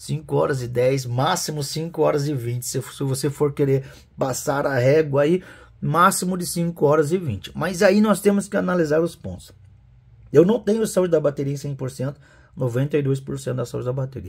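Against a quiet background, a somewhat breathy man speaks at a fairly slow pace in a fairly high pitch with lively intonation. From Brazil. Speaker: tech YouTuber. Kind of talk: tech review vlog. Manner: casual, conversational. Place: home room. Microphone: phone near.

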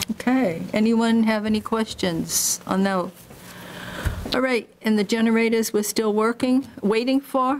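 A woman with an ordinary speaking voice talks at a fairly high pitch and a fairly slow pace. Her intonation is fairly even, her loudness very even, and light background noise can be heard. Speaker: committee chair. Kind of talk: chairing a public meeting. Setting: meeting room around a table. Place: meeting room.

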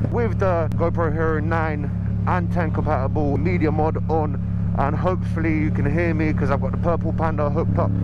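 Music plays in the background while a man talks at a fairly quick pace. The sound is dry, with no echo. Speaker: motovlogger. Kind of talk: casual vlog chat. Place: motorbike. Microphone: helmet.

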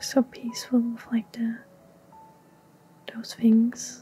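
Soft-spoken, a woman talks at a very slow pace with long, frequent pauses, the sound dry with no echo and light background noise. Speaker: ASMR gaming streamer. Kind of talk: ASMR gameplay commentary, casual talk while playing. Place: home room.

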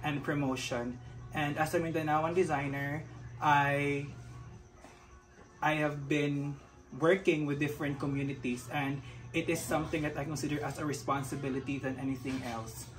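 The delivery is monotone and flat at a moderate pace. Light background noise sits underneath. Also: man. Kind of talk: interview answer. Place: home room.

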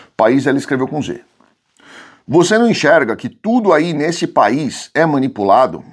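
The man's fairly high voice, delivered at a moderate pace with very wide pitch swings, stands against a quiet background. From Brazil. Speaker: immigration lawyer and YouTuber; immigration lawyer, YouTuber. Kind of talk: casual reading and mocking of hater comments. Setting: home studio. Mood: ironic, slightly annoyed. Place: office. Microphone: lapel.

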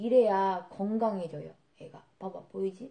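A woman speaks very slowly in a dark, mellow tone that is somewhat breathy. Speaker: live streamer. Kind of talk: casual livestream chat explaining her fish and plant. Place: home room.

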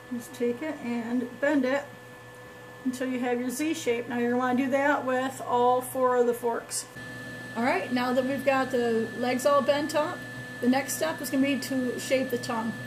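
Against noticeable background noise, a woman with a high voice talks at a moderate pace with fairly even intonation. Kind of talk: tutorial. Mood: cheerful, friendly. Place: workshop. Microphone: camera far.

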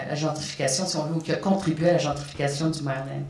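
A woman's very deep, low pitch with ordinary pitch variation, over noticeable background noise. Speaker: arts association director. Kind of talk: audience question. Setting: stage with audience.

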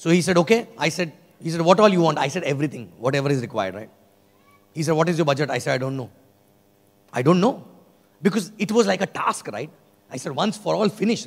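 A man talks at a very fast pace with lively intonation, vocal fry, a fairly high pitch, and long, frequent pauses. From India. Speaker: network marketing leader; motivational speaker. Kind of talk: motivational talk. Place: hall. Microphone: handheld.

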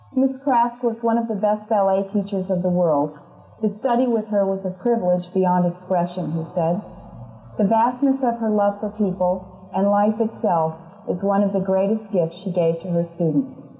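With faint music in the background, a woman talks at a moderate pace with ordinary pitch variation. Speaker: presenter. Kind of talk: reading an obituary aloud. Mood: calm, respectful. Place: hall.

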